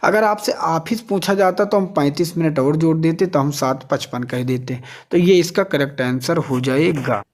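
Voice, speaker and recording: A man's voice: a little high, normal speed, few pauses, a little mellow. A man teaching an exam lesson step by step, asking questions, answering them himself and repeating key figures.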